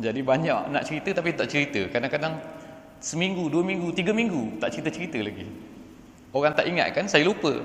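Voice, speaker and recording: Audible room echo surrounds a man speaking at a very fast pace with a fairly high pitch and lively intonation. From Terengganu, Malaysia. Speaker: religious teacher. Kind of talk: religious lecture. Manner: conversational, with filler hesitations.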